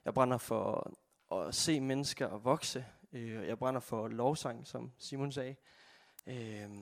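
Earnest young man sharing faith. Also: mid-range voice. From Jutland, Denmark. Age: 20s. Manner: earnest, halting, with frequent pauses. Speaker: young church member giving testimony. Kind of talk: personal testimony and closing prayer. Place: church.

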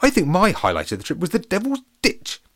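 A man's voice: high voice, huge pitch swings, a little fast, a bit bright, no room sound, studio quality, voice pushed up, exaggerated voice. A man voicing a cheerful, posh male pancake captain in a storybook reading, with a plummy upper-class manner. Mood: jolly.

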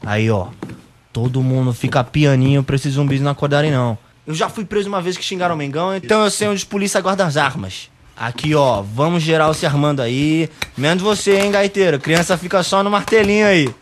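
A man's voice: on the high side, brisk, slight background noise, close to an everyday voice. A man playing a cocky, crude Brazilian street guy with slangy, casual talk in an amateur comedy radio drama.

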